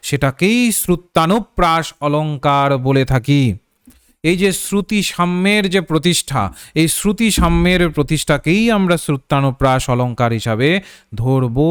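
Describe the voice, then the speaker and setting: A man teaches a live online class, his voice smooth, resonant and a little high. He explains patiently, repeats key points and checks in with the students. The sound is close and dry. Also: no room sound.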